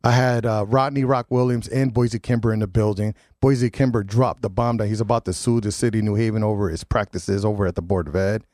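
A man's voice: lowish voice, steady tone, brisk, hardly any pauses, a little mellow, no room sound. A radio host with a head cold, sounding nasal, chatting loosely and joking with his studio guests. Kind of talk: casual community radio chat.

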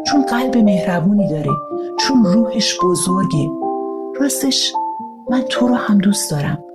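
A woman voicing a calm, kind schoolboy who reasons patiently, in an audio storybook over guitar music. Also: lowish voice, lightly acted.

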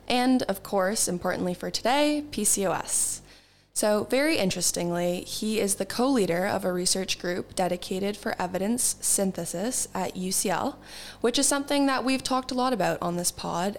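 Upbeat young woman hosting a podcast. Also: medium pitch. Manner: upbeat and enthusiastic. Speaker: podcast host. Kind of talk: podcast interview. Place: university institute in London.

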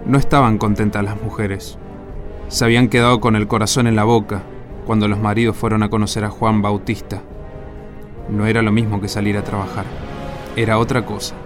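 A man's voice: fairly low pitch, flat delivery, a little fast, music in the background. A man narrating a scripted radio play in a poetic, reflective manner.

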